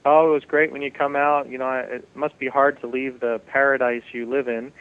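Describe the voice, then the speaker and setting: A man's voice: mid-range voice, flat delivery, brisk, smooth, phone-quality sound. A man, a guest on a Christian radio show, talking in a friendly way and laughing easily. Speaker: ministry guest. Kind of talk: radio interview conversation.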